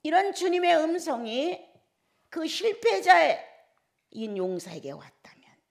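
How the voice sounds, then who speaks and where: A woman preaching a Sunday sermon, telling a personal testimony with emotion and swinging between loud declarations and hushed whispers. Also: very high voice, big pitch swings, takes it slowly, gravelly. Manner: emotional storytelling.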